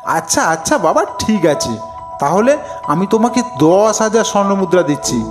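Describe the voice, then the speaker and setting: A woman's voice: mid-range voice, animated, normal speed, over music, lightly acted. A woman voicing a ruthless male jeweller, the villain of a cartoon folk tale, emphatic and threatening. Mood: coaxing, menacing.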